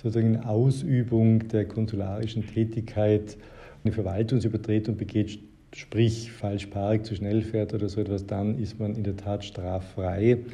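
Fairly low male pitch, monotone and flat, somewhat breathy, at a moderate pace. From Germany and Austria. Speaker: honorary consul. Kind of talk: interview.

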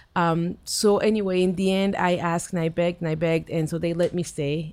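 On a very clean recording with a silent background, a woman with a Spanish accent rushes along at a very fast pace with hardly any pauses, her fairly low voice monotone and flat. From Mexico City, later Texas. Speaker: city immigration official, lawyer. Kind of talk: interview. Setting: studio.

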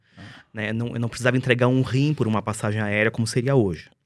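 A man talks very fast at a medium pitch in a Rio Grande do Sul accent. The recording is very clean, with a silent background. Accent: gaúcho. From Rio Grande do Sul, Brazil (Porto Alegre). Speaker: financial securities analyst. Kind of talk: podcast interview.

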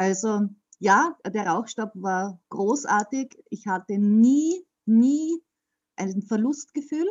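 A woman with an Austrian accent talks at a very slow pace in a fairly high, somewhat breathy voice. Her intonation is lively, and her loudness swings widely. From Vienna, Austria. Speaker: former smoker, program participant. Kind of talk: interview, casual chat.

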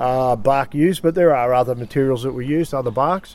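A man with an Australian accent at a fairly quick pace, with ordinary pitch variation. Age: 40s. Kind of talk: casual interview. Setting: outdoors by a river.

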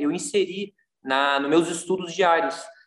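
A man talks at a high pitch while music plays in the background. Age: 40s. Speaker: former course student, YouTuber. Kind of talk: interview podcast. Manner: halting, many repetitions.

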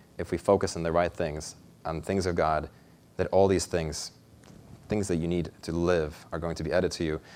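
A man talks at a moderate pace in a very deep, low pitch. His intonation is monotone and flat. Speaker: lay preacher filling in for pastor. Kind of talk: sermon. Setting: church with congregation. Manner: halting, many fillers and repetitions.

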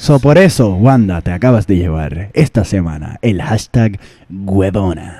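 Lively intonation marks this man's fairly low-pitched voice as he speaks at a fairly slow pace. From Puerto Rico, San Juan metro area. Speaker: podcast co-host. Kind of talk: casual chat. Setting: live-streamed studio recording. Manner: animated.

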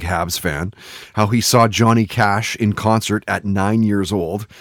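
A man with an ordinary speaking voice talks in a fairly low pitch with ordinary pitch variation. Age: 40s. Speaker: podcast host. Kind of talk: scripted narration.

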